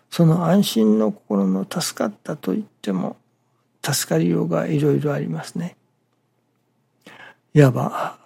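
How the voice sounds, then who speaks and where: A minister delivers a morning sermon haltingly and with measure, breaking phrases with pauses and letting some words fall to a near-whisper. His medium-pitched voice is gravelly, mellow, and husky.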